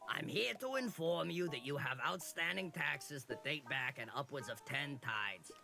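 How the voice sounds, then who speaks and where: Sea-creature tax collector, gravelly, slightly raised pitch, bureaucratic, impatient, game music behind. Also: male voice, expressive, normal speed, pushed and bright, full character voice. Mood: officious.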